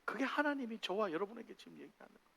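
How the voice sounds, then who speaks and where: Animated high-voiced male preacher in a reverberant hall. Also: very fast, gravelly, husky. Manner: animated, acts out dialogue with big pitch swings. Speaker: pastor. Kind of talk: sermon. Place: church sanctuary.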